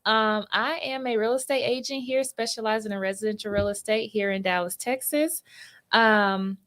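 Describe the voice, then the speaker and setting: Relaxed, giggly woman from Mississippi. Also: on the high side, moderate pace. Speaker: guest, real estate agent. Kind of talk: casual chat.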